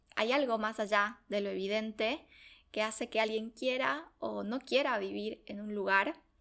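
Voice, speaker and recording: Fairly slow, fairly high speech from a woman with a bright, sharp tone in a very clean recording against a silent background. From Ecuador, Quito. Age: 30s. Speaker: podcast host, feng shui consultant. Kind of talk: podcast monologue.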